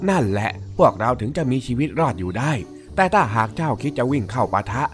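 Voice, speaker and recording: A man's voice: mid-range voice, sing-song, fast talker, lightly acted. A man voicing a wise father sheep who solemnly teaches his child in a storybook tale, over background music.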